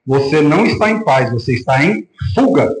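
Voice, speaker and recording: A Brazilian pastor in full preaching mode, his voice sitting a bit high for a man and carrying around a reverberant church room. He talks with energy and slips into the voices of the people he quotes. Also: very animated, normal speed, noisy background. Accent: Brazilian Portuguese. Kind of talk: sermon. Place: church hall.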